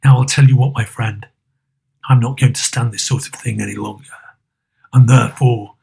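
A man's voice: medium pitch, fairly even intonation, normal speed, creaky, warm tone, slightly rough, pitched below the performer's own voice. A man voicing an elderly miser turned kind, with emphatic, clipped delivery in a dramatised storybook reading. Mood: mock stern.

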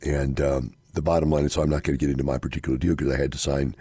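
A hoarse man hosting a radio show on investing, talking casually and rambling with many fillers and restarts. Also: rumbling low, level tone, very fast, mellow, no echo, clean studio sound. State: hoarse, scratchy voice.

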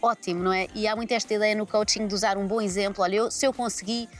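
A woman's voice: mid-range voice, steady tone, soft background music. A woman with a European Portuguese accent, a comedian chatting in an interview with a skeptical, ironic manner. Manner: ironic, skeptical, quick-talking. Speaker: comedian guest. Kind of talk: casual interview talk. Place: large empty arena.

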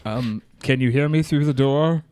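A man's voice: mid-range voice, moderate pace, darkish tone, clean tone, no room sound, clean studio sound. A man playing a tabletop role-playing game, speaking conversationally in character and describing his actions.

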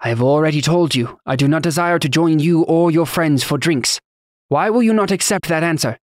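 A man's voice: on the high side, fairly quick, no room sound, studio quality, pitched above the performer's own voice, lightly acted. A man voicing an aggrieved immigrant dockworker in a fantasy audiobook, with a thick foreign accent and stiff, formal phrasing. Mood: indignant, firm. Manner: stiff, formal, careful phrasing without contractions.

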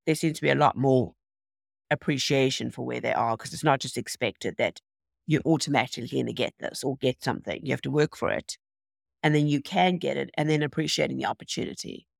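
A woman's voice: rumbling low, a little fast, gravelly, no room sound, clean studio sound. A middle-aged woman with a South African accent, a native Afrikaans speaker, chatting reflectively as an interview guest. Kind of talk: casual interview conversation.

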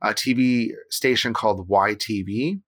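A man in his thirties from Canada talks through a casual co-hosted chat. His voice sits low but sounds bright and forward. He rambles, restarts his sentences and tags many thoughts with "right?". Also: a little slow.

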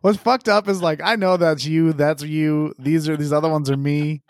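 A man's voice: fairly high pitch, fairly even intonation, moderate pace, dry recording, clean studio sound. Joking, foul-mouthed male podcast co-host. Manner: joking, profane, teasing. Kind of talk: casual chat.

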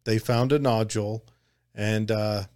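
A man hosting a casual chat, hesitant and halting, reading out viewer comments. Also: on the low side, fairly even intonation, a little mellow, clean tone. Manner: hesitant, many fillers and restarts. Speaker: host.

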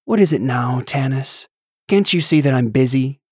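A man's voice: medium pitch, animated, normal speed, slightly rough, no echo, clean studio sound. A man voicing a sultry, scheming goddess in an audiobook, with a coaxing, condescending, theatrical manner. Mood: bored. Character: sultry, scheming, languid goddess, vain wife. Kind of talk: audiobook character acting.

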